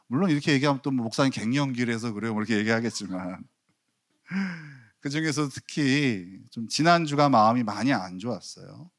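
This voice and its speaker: A man's voice: mid-range voice, animated, a little fast. A man in his forties preaching a Sunday sermon as pastor, telling stories with acted quotes and self-mocking humor. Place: church sanctuary.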